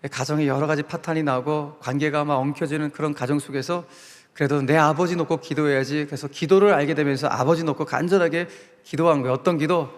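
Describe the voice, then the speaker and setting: Male pastor, sermon, earnest dramatic storytelling, slightly high voice, long church hall reverb. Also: fairly even intonation, fast. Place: church sanctuary.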